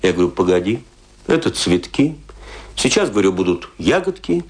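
An actor playing a boastful, scornful provincial tragedian in a radio play, telling his tales theatrically with emphatic, pointed pauses. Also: low voice, very animated. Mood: gleeful menace. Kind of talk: dramatic radio play monologue.

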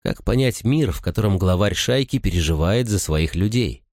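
A man narrating an audiobook in a steady, measured reading style. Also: lowish voice, no echo, studio quality. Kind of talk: scripted narration.

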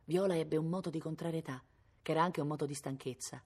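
A woman's voice: low voice, steady tone, fast talker, darkish tone, slightly rough. A woman from Italy reading a novel aloud expressively, her voice rising with the drama. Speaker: reader.

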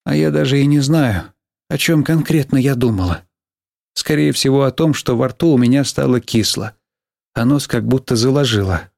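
A man's voice: medium pitch, normal speed, gravelly, darkish tone, dry recording. Man reading a story, close and dry. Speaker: audiobook reader. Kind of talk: scripted first-person narration.

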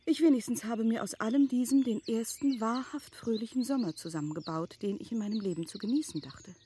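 In a classic German radio play, an actress lightly performs a prudent, gently firm middle-aged wife who speaks in measured, eloquent, formal phrases. Her female voice is a little high, with a bit of hiss or hum on the recording.

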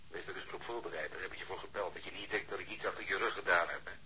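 An actor playing a brash, impatient male police official, brusque and animated, heard through a telephone in a radio drama. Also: deep voice, racing, slight background noise, rough recording.

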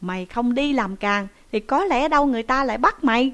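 A woman's voice: fairly high pitch, animated, a little fast, fairly bright tone. A woman voicing a shrewd, stern male village headman who speaks in a commanding, scolding way.

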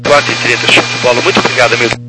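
A man's voice: mid-range voice, level tone, racing. A man with a Brazilian Portuguese accent, an airline pilot talking to air traffic control over a two-way radio in polite, clipped radio phrasing. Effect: heard over a two-way radio. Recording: hissing radio channel with static.

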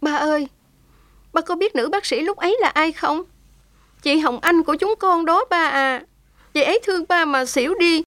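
A woman's voice: high voice, moderate pace, no room sound, clean studio sound, voice pushed up, natural voice. A woman voicing an impassioned young heroine. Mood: tender, tearful. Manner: impassioned, tearful pleading. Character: young heroic Vietnamese woman, daring and tender.

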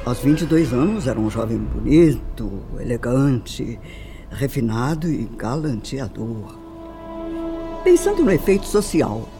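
Grave Brazilian mother, expressive and theatrical. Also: low-pitched. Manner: theatrical, solemn, deliberate phrasing. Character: older upper-class widowed mother, grave, sorrowful, refined. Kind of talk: dramatic radio drama narration in a formal register. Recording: music under the voice. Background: background music.

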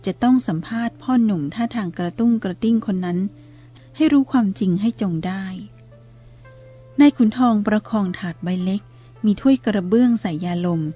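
A woman narrating a story in a steady, even tone with a husky voice. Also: medium pitch, normal speed, muffled recording, soft background music.

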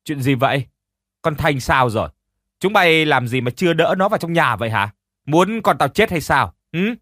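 A male narrator doing a domineering old matron of a wealthy house, shrill and cruel, her voice climbing high and loud as she berates those below her. A lively, swinging delivery in a dry audiobook reading. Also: moderate pace, no echo. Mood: frantic worry. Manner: shrill scolding shouts.

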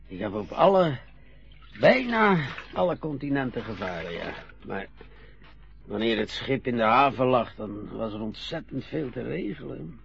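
A man playing a gravelly old retired sea captain. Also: medium pitch, a bit bright, lo-fi sound, exaggerated voice. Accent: Dutch. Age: older. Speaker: retired merchant navy captain. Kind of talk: radio play acting.

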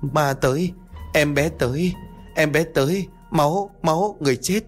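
A man's voice: fairly high pitch, moderate pace, breathy edge, faint music behind, pitched above the performer's own voice. A man voicing a terrified young mother who raves in broken, repeating cries. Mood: hysterical.

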